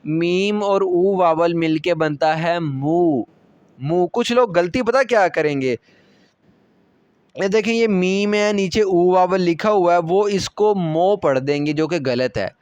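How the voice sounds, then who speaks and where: Male language teacher, Pakistani Urdu accent, high voice, unhurried and patient, clean smooth tone. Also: darkish tone, no echo, highs cut off. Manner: patient, repeats each syllable slowly, frequent checks of understanding. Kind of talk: step-by-step classroom lecture.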